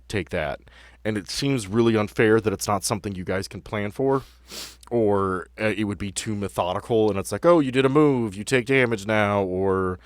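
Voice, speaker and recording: A man's voice: fairly low pitch, dry recording, clean studio sound. A man acting as game master, narrating and refereeing a tabletop game in a casual, explanatory way with vivid descriptions.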